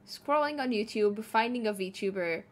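A woman's voice: on the high side, moderate pace. A woman streaming live as a VTuber, chatting casually with her chat while playing a game, giggling often and swearing freely.

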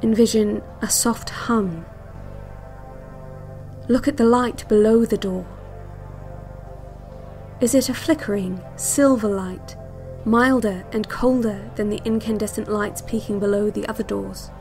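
A woman acting as a calm, controlling relaxation-tape guide in an audio drama. She gives hypnotic, measured instructions with clinical precision, over faint music. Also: mid-range voice, close to an everyday voice. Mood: calm, controlled. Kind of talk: guided visualization cassette narration.

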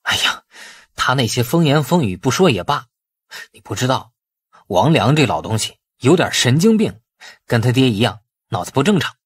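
A man's voice: mid-range voice, very animated, normal speed, breathy edge, no echo, clean studio sound. A man voicing a deferential, placating nephew in an audiobook drama. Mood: placating, explaining. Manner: explaining, placating.

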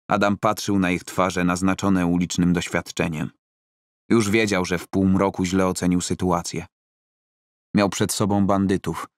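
A man reads an audiobook in a very deep voice. His delivery is steady and restrained, with little rise and fall in pitch. The sound is close and completely dry, as in a recording booth. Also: no room sound. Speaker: audiobook narrator. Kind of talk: scripted audiobook narration of a crime thriller. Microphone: close studio mic.

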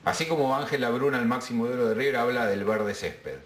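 A man being interviewed at home as a football fan, talking in a measured, reflective way. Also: medium pitch, reverberant, slight background noise. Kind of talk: casual interview.

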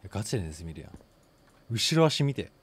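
A young man commentating live on a horror game in rough casual speech, blurting exclamations and sarcastic quips. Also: on the low side, very animated, quick pace, slight background noise. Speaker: game streamer. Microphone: desk streaming mic, indoors.

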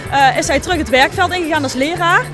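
A woman's voice: sits high, fast talker. A woman in her thirties giving a spontaneous interview answer as a company representative. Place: busy event hall. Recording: busy crowd and music behind.

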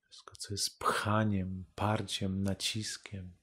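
A man leading a guided meditation as a teacher, calm and unhurried, speaking in measured phrases with long pauses. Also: low voice, breathy edge.

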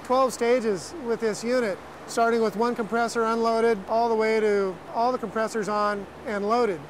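A high-pitched American man explains things practically as he leads a walking tour of an industrial site. He talks off the cuff, with faint outdoor and machinery noise behind him. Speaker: brewery staff giving a tour. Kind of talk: unscripted walk-through explanation.

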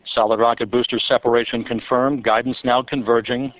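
Man, launch commentator, live commentary, steady measured delivery, mid pitch, muffled broadcast sound. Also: no room sound. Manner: steady, measured reading of flight figures. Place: mission control. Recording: dull broadcast audio.

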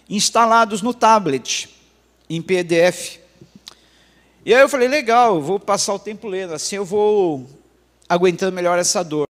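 Man preaching with long hall echo. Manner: dramatic storytelling, hushed low passages. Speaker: pastor. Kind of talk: sermon testimony. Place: church hall.

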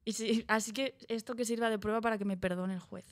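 A woman's voice: fairly high pitch, fairly even intonation, fast talker. A woman from chatting eagerly about TV series as a guest, rambling with fillers and restarts. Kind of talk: casual chat about TV series.

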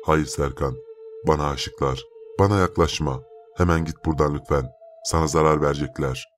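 A frail, frightened young woman in a horror story, pleading in a weary voice, as a male narrator puts her on. The voice sits extremely deep, with faint music behind. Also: steady tone, moderate pace.

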